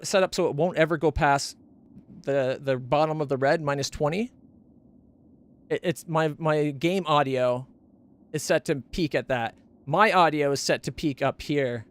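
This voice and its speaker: A man with a fairly high voice for a guy, admitting it isn't naturally deep. He chats loosely from his home stream setup, circling back and correcting himself as he goes, close on a studio mic. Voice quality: not very deep voice. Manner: rambling, self-correcting, stumbles over names. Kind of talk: casual chat about gear on a game stream. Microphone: studio condenser mic up close.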